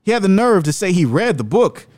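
A man's voice: sits high, big pitch swings, fairly quick, a little mellow. Emphatic man delivering indignant commentary. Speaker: commentary host. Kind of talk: opinionated video commentary.

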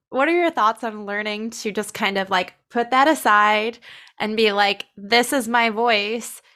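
A woman hosting a casual podcast, speaking in a slightly high voice. She rambles a little as she asks her questions, with plenty of fillers along the way. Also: sharp tone. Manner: chatty and hesitant, many fillers. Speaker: podcast host.

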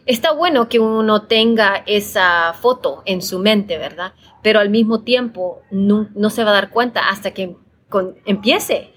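A woman born in El Salvador speaks as an interview guest about making podcasts. She talks in a thoughtful, conversational way, often repeating herself and checking in with her listener. Her voice sits at a middle pitch. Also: a little slow, fairly bright tone, husky. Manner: thoughtful, repeats words, frequent tag questions.

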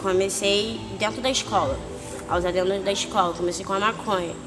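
A woman in her twenties giving an earnest, slow video testimony. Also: mid-range voice, fairly even intonation. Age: 20s. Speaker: testimony speaker. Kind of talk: recorded testimony. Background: music.

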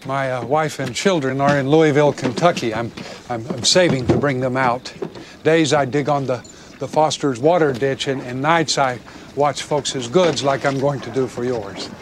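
An actor playing an earnest, awkward frontier preacher, halting and stammering as he speaks. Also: mid-range voice, background noise, close to an everyday voice. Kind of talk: TV drama acting.

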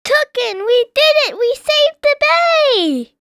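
Man doing a squeaky excitable young girl. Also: takes it slowly, creaky, no room sound, studio quality, full character voice. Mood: overjoyed. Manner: high squeaky put-on voice. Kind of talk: storybook character voice.

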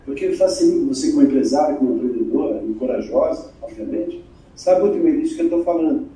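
A man hosting a podcast interview as a communication coach, talking in an animated, emphatic way and acting out quoted voices. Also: fairly high pitch, quick pace. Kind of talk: conversational interview, teaching with examples. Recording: very echoey room, distant mic.

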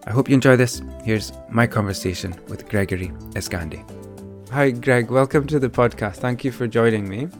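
A man's voice: mid-range voice, normal speed, soft background music. A man hosting a photography podcast, talking in a friendly, hesitant way with many fillers. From United Kingdom. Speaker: podcast host. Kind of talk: casual interview.

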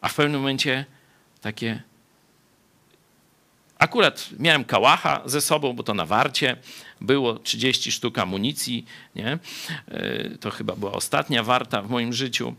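A man's voice: mid-range voice, normal speed, gravelly, pauses often. A male pastor giving a conversational sermon, often tagging his sentences with a questioning "nie?". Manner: conversational, frequent tag "nie?"; lively, swings between soft asides and raised emphasis. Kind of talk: sermon Bible study.

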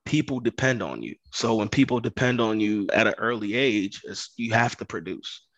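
A man's voice: fairly low pitch, expressive, normal speed, fairly bright tone, no room sound, highs cut off. A man from Ghana talking as a podcast guest, telling his story in an earnest, conversational way and repeating phrases for emphasis. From Ghana, West Africa. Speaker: podcast guest, construction business owner.

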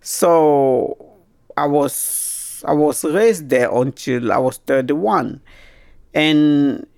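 Slow, gravelly woman with a Cameroonian French accent. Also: low voice, a little mellow, dry recording, clean studio sound. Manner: halting, searching for words. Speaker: guest. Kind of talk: personal life story.

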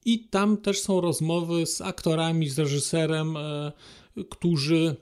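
A man hosting a podcast, speaking formally and politely to listeners in a halting monologue. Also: fairly high pitch, fairly even intonation, darkish tone, clean tone. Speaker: podcast host.

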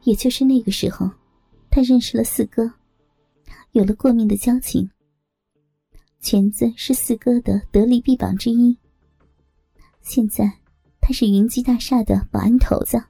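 A woman narrating a novel in the first person as an audiobook, steady and even. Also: fairly high pitch, normal speed, gravelly, pauses often, slightly rough, no room sound, soft background music.

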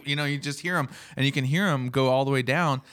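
A man's voice: medium pitch, quick pace, fairly bright tone. A man hosting a podcast, talking casually and rambling with lots of fillers and restarts. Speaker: podcast host. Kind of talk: casual chat.

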